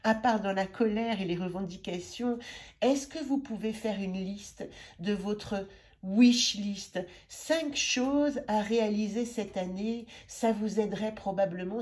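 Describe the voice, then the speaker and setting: A middle-aged woman with a head cold, reading oracle cards and talking gently and meanderingly, with pauses and fillers. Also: mid-range voice. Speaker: card reader and astrologer. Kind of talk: spiritual card-reading video.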